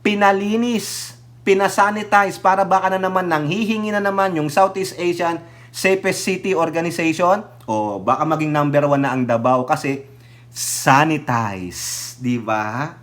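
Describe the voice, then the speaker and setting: Guy vlogging about the news, high voice, super sarcastic, keeps laughing and talking to his viewers. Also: measured pace, a bit bright. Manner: sarcastic, mocking, laughs often; addresses viewers directly. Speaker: political commentary vlogger. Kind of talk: casual commentary reading and reacting to news.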